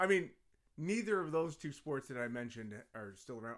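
With an unremarkable speaking voice, a man talks at a fairly quick pace in a medium pitch with lively intonation. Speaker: podcast co-host. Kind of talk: casual chat.

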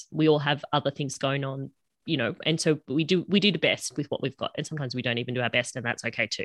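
The speaker has an Australian accent. The pace is very fast. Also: woman, very deep, low pitch for a woman, ordinary pitch variation, dry, close sound with no echo. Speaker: dietitian and business coach. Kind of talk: casual interview.

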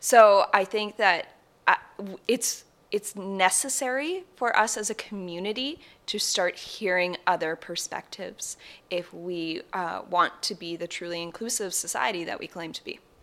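A woman with an ordinary speaking voice at a medium pitch and moderate pace, with ordinary pitch variation, on a very clean recording with a silent background. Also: big swings in loudness. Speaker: theater executive director. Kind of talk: recorded comment.

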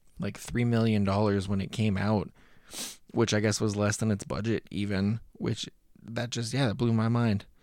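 This man has an ordinary speaking voice, fairly low in pitch with fairly even intonation, talking at a moderate pace on a very clean recording with a silent background. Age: 30s. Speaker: podcast host. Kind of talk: casual solo movie review. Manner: casual, filler-heavy.

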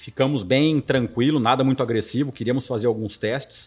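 A man with a normal speaking voice talks at a moderate pace, his medium pitch showing ordinary pitch variation. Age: 40s. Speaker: franchise founder. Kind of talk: interview.

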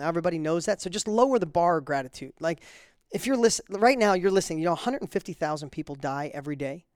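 A man talks very fast in a high-pitched, animated tone. The recording is very clean, with a silent background. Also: dry, close sound with no echo. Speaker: entrepreneur and success coach. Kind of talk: casual interview.

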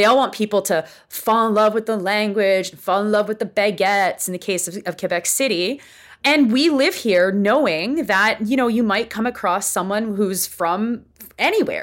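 A woman with a Canadian accent has a normal speaking voice at a medium pitch, with ordinary pitch variation. She talks at a moderate pace on a very clean recording with a silent background. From Canada, Southern Ontario. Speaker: writer and activist. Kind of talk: casual discussion.

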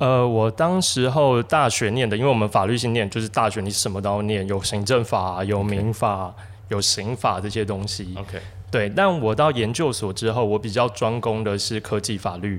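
A man's normal speaking voice at a fairly low pitch, with ordinary pitch variation, a moderate pace and hardly any pauses. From Taiwan. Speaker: former legal researcher. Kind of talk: casual chat.

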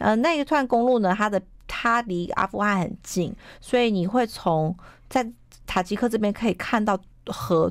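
Her pitch medium with ordinary variation, a woman speaks at a moderate pace in a very clean recording with a silent background. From New Zealand (Auckland), born in Taiwan. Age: young. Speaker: travel author. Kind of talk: interview.

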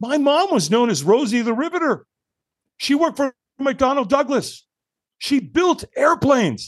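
Extremely high-pitched for a man, this American-accented voice has an animated tone and lively intonation at a moderate pace. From California. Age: 60s. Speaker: firewalk instructor and company founder. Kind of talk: interview conversation. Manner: animated storyteller.

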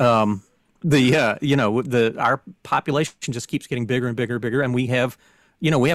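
Here a man talks at a very fast pace and medium pitch. The recording is very clean, with a silent background and a dry, close sound with no echo. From Florida, Pensacola. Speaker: journalist and author. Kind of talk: interview.

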